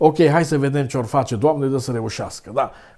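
A man delivers his words fairly quickly, with little but quiet behind him. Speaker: political commentator. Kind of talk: angry rant. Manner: sarcastic, indignant; loud, ironic. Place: home room.

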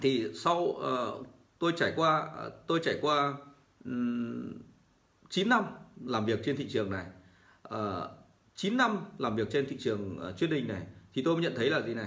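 A man of medium pitch talks at a fairly slow pace with vocal fry, very wide pitch swings and long, frequent pauses. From Vietnam. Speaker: online trading educator. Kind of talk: livestream tutorial. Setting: livestream. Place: home room. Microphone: webcam.

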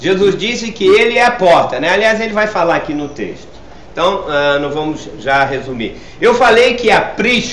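With lively intonation, the speaker keeps a moderate pace amid light background noise and audible room echo. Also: man. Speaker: pastor teaching a class. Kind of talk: sermon-like Bible lesson. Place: garden.

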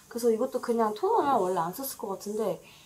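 A woman speaks in an animated tone over light background noise. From South Korea. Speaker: fashion vlogger. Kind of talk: casual vlog with product talk. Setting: home, talking to camera. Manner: chatty, animated. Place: home room. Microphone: phone near.

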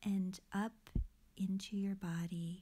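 Very slowly, a woman speaks at medium pitch in a dark, mellow, somewhat breathy, soothing and calm tone with monotone, flat intonation. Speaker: meditation and art teacher. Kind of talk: guided meditation with gentle spoken instructions for posture, breath and imagery. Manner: slow, soothing, softly paced with calm pauses for silence; gentle, warmly encouraging, quietly reassuring.

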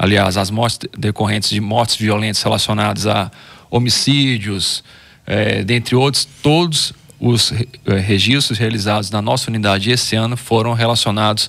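Moderate pace, fairly even intonation and very even loudness. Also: man, fairly low pitch for a man. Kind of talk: interview answer. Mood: serious, formal. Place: studio. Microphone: studio mic.

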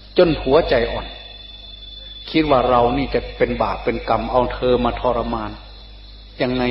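Light background noise and audible room echo surround a man speaking. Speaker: Buddhist monk teacher. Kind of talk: sermon. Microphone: old recording.

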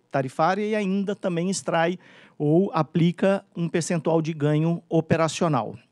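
Speaking at a moderate pace, a man with a fairly high voice is heard in a dry recording with no echo and a quiet background. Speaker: regulatory agency technical staff; presenter. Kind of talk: technical presentation. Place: meeting room.

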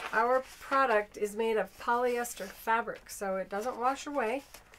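A woman's fairly slow speech is accompanied by noticeable noise in the background. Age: 60s. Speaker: sewing and embroidery instructor. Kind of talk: tutorial. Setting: live stream.

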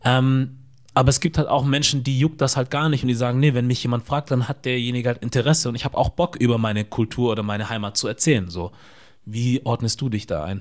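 A very fast-talking man at a medium pitch, with ordinary pitch variation and a quiet background. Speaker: podcast host. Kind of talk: interview. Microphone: studio mic.

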